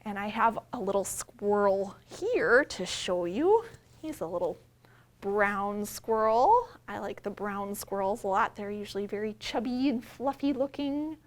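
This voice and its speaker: A woman hosting storytime as a children's librarian, talking simply to young children with questions, invitations and drawn-out emphasis when reading. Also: medium pitch, animated. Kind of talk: children's storytime read-aloud with talk and action rhymes.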